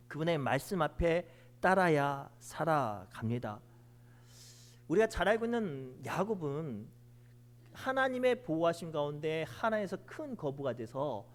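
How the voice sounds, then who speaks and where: Fairly high-voiced Korean pastor preaching. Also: male voice. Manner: emphatic preaching with storytelling. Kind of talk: sermon.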